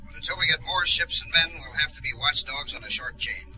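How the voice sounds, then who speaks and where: A man's voice: fairly high pitch, fairly even intonation, brisk, bright, forceful tone, rough recording. A man playing a stern, formal space official giving orders in a radio serial. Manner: formal, authoritative. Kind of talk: classic space-adventure radio serial acting. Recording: old radio recording, faint noise.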